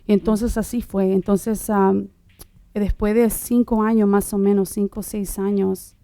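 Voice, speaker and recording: A middle-aged woman born in Uruguay telling her personal testimony in conversation, halting, with many fillers and restarts. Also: medium pitch, level tone, dark tone, dry recording. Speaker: guest sharing her testimony.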